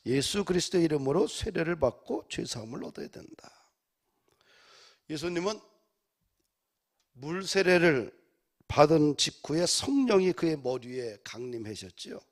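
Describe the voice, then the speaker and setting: A man's voice: on the high side, very animated, moderate pace, pauses often. A male pastor preaching a sermon in a church, building to emphatic exhortations.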